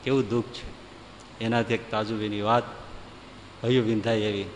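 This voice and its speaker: A man, telling humorous devotional stories to a hall in a lively, folksy way. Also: lowish voice, normal speed, slight background noise. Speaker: folk storyteller.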